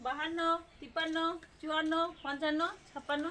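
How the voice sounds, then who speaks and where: A woman's voice: high-pitched, flat delivery, quick pace, pushed and bright. A woman giving casual commentary on a game, counting scores and calling out to players. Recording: very noisy outdoor recording, birdsong.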